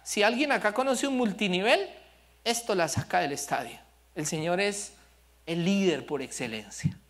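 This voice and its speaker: A man's voice: sits high, a bit bright. A male pastor preaching a sermon, telling stories with animation and asking the congregation questions. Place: church service.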